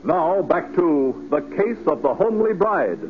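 A man's voice: a little high, expressive, measured pace, music in the background. A man announcing and narrating a scripted 1940s radio drama in a dramatic, emphatic style. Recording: tinny, noisy 1940s radio recording.

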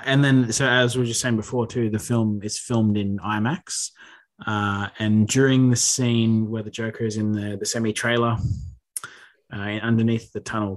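A man hosts a podcast in an easy, conversational way and laughs often with his guest. His voice sits at an ordinary middle pitch. He asks questions and shares thoughts at a relaxed pace. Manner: chatty, relaxed, laughs easily. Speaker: podcast host. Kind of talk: casual podcast chat.

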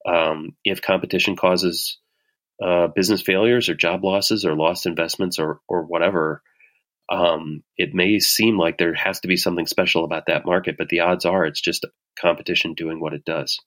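A middle-aged man, an author being interviewed, explaining ideas in a hesitant, thoughtful way with many pauses and restarts. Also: low-pitched, fairly even intonation, fairly bright tone. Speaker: author and guest. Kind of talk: casual spoken explanation.

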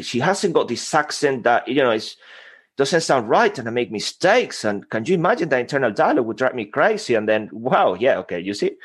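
A man's voice: medium pitch, husky. Passionate Venezuelan-accented man. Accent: Venezuelan Spanish. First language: Spanish. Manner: passionate, animated, breaks into loud playful voices. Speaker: guest, voice coach. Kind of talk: energetic conversational interview.

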